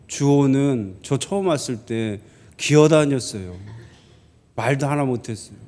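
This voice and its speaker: A man's voice: medium pitch, darkish tone. A male pastor preaching a sermon in a church, conversational and full of questions to the congregation. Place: church sanctuary.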